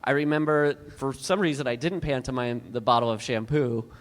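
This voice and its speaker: A man with a middle-pitched voice reads out stage directions like a narrator. He also chats casually and comically as the writer of the piece. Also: fairly even intonation, brisk. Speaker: writer of the monologue, actor.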